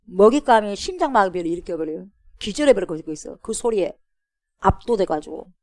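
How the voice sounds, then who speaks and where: A woman pastor giving an animated expository sermon, calling out to her congregation and acting out a roaring lion. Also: mid-range voice, fairly quick, dry recording, studio quality.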